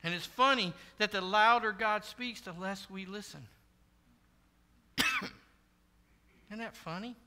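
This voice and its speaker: A man preaches in a church sanctuary, his high, piercing voice carrying a long hall reverb. He talks with the congregation conversationally, then sinks into hushed asides and rises to loud, shouted warnings. The tone stays smooth and clear throughout. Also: huge pitch swings, takes it slowly, long pauses. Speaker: pastor. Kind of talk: sermon.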